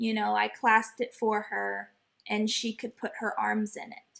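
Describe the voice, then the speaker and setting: Speaking fairly slowly, the woman's voice sits fairly high in pitch. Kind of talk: educational tips talk. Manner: casual, conversational.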